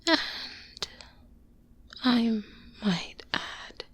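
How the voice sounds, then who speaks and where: A woman playing a seasoned, guarded vampire hunter mentor in an ASMR roleplay, speaking in a breathy whisper with measured, deliberate pauses, close to a binaural mic. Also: a little high, animated, a bit bright, full character voice. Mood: confiding, careful. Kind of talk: soft-spoken ASMR roleplay monologue. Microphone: close-up binaural microphone.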